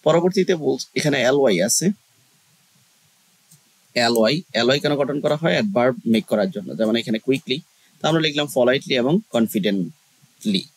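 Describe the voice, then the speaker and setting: A man's voice: mid-range voice, animated, moderate pace, long pauses, no echo, low-quality recording. A man giving a casual English lesson, explaining step by step with frequent hesitations. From Bangladesh. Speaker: online English tutor.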